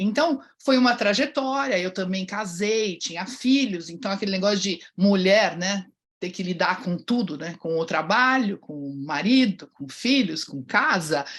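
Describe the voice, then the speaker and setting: A woman speaks in a normal speaking voice at medium pitch with lively intonation. Her pace is fairly slow, and her loudness swings widely. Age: 60s. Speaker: relationship mentor. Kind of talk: interview podcast.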